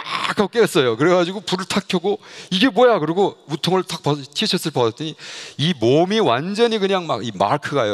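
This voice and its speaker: In his sermon, a middle-aged pastor and missionary tells stories animatedly, acting out the dialogue and at times shouting, all in a mid-range voice.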